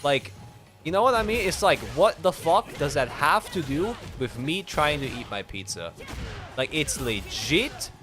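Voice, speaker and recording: A man's voice: fairly high pitch, sing-song, unhurried, music in the background. Rambling, profane young man streamer. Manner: rambling, profane, heavy use of "like". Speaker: game streamer. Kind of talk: casual storytelling while playing.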